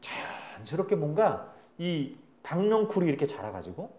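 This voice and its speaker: A man preaching a sermon as a pastor, telling a story in an animated, chatty way, in a roomy space. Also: a little high, moderate pace, muffled recording. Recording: roomy echo.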